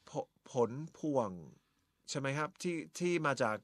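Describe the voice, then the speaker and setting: A man teaching English on a radio show, explaining grammar in lively mixed Thai and English. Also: medium pitch, measured pace, clean tone, no echo. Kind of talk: bilingual radio English lesson. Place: radio studio.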